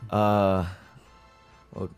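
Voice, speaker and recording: Laid-back deep-voiced young man. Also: monotone, extremely slow, smooth, soft background music. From Puerto Rico. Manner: laid-back, laughs between stories. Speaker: guest artist. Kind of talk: casual interview chat.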